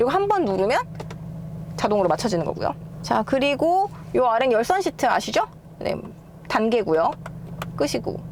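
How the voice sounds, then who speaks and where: Noticeable background noise sits under the speech. The delivery moves along fairly quickly. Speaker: car reviewer. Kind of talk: tutorial. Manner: fast.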